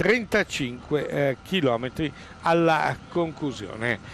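A man speaks in an animated tone with lively intonation. Noticeable background noise is present. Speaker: race commentator. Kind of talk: live sports commentary on a cycling race. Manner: animated, steady race-commentary pace, with frequent hesitant fillers.

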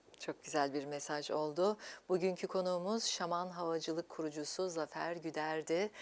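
This is a normal speaking voice from a woman, fairly low in pitch. She talks at a moderate pace with fairly even intonation. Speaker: TV news show host. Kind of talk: studio interview. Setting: studio.

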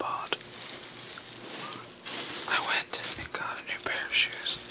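Very slow speech over noticeable background noise. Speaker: haul vlogger. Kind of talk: ASMR whisper shopping haul, casual talk to camera. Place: home room. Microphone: phone near.

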